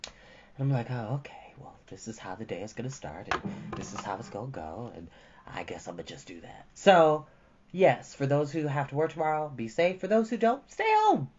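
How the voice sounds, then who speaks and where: A storytime host with a medium-pitched voice, chatting casually and informally with rambling asides and reading from a storybook. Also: big pitch swings, normal speed, background noise. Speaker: host of a storytime livestream, reading a novel aloud. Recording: dull lo-fi audio with background music. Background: ambient background music.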